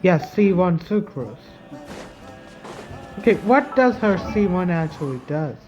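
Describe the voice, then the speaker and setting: Slow, halting woman gaming streamer. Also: fairly low pitch, sing-song, darkish tone, highs cut off. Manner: halting, thinking aloud. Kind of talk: casual gameplay commentary. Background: faint game music.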